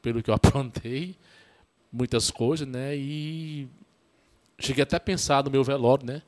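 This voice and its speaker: A man with a northeastern Brazilian accent from Ceará, a Catholic priest telling his story in a casual podcast interview, halting and repetitive, often tagging sentences with a question. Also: mid-range voice, steady tone.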